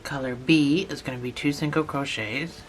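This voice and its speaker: A channel host talking through a lesson step by step, patient and repetitive, a little hoarse from a cold. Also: medium pitch, steady tone, moderate pace, faint music behind. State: has a cold, losing voice. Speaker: instructor. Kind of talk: step-by-step tutorial narration.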